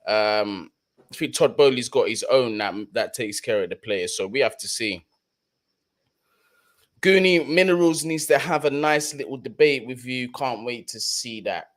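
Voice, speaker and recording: A man's voice: mid-range voice, expressive, unhurried. Slangy young London man chatting live. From London, England. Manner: slangy, chatty, repeats his points. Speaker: football channel host. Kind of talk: casual live-stream chat.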